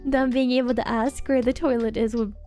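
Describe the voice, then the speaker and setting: Young female streamer, high and bright voice, chatty and giggly, close-miked, faint music behind. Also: fairly even intonation, a little fast. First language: Norwegian. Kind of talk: casual livestream chat.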